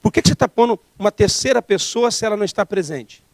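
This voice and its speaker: A man's voice: sits high, animated, quick pace, dry recording. A man preaching a sermon as pastor, emphatic and full of rhetorical questions.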